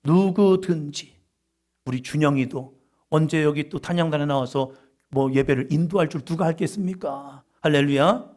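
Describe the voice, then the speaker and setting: Korean pastor preaching with loud bursts. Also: male voice, on the high side, moderate pace. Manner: animated preaching, bursts of loud emphasis on key words; storytelling with humorous asides. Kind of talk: sermon.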